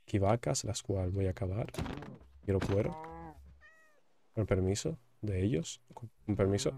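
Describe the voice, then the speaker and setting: A man's voice: on the low side, animated, moderate pace, vocal fry, noisy background. Chatty young man gaming. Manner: chatty, repeats words, jokey asides. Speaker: gaming YouTuber. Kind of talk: casual gameplay commentary.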